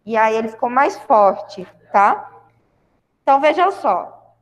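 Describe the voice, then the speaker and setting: A woman's voice: a little high, very animated, slow pace, long reverb tail. A Brazilian woman teaching a grammar lesson to a class, explaining step by step and often checking in with her students. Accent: Brazilian Portuguese. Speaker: school Portuguese teacher.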